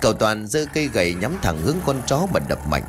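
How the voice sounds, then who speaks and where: Male narrator, dramatic, lively in pitch. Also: brisk, over music. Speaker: storyteller. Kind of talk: scripted story narration.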